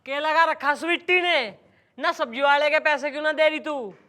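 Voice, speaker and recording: An actress playing a bossy, blunt female police station chief with a Haryanvi accent, talking loudly in rustic slang in a TV sitcom. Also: sits high, steady tone, normal speed, natural voice. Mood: brash. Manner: loud, blunt, rustic slang mixed with English. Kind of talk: sitcom acting.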